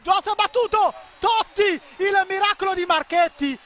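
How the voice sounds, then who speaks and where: A man giving excitable live football commentary, swinging between clipped calls and drawn-out shouts. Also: very high voice.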